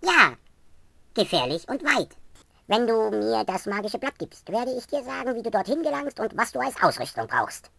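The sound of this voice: Using a put-on character voice, a woman speaks at a moderate pace and a fairly high pitch, with big pitch swings, a bright, sharp tone, vocal fry and long, frequent pauses.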